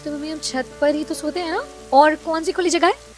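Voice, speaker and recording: A woman voicing an eager, excitable young daughter in an animated story. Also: high voice, a little fast, faint music behind, voice pushed up, close to an everyday voice. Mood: puzzled. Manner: eager, exclamatory.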